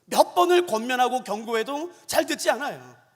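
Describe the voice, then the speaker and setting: A man's voice: very high voice, animated, brisk. A middle-aged man, a pastor, preaching a sermon in a church sanctuary, telling stories and putting questions to the congregation. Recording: long church-hall reverb.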